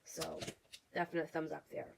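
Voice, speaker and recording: Chatty woman reviewing makeup, low voice. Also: big pitch swings, moderate pace, creaky, a little hiss or hum. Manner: chatty, many fillers and restarts, gushing. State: getting over a cold, coughing. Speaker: beauty vlogger. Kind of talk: casual product review.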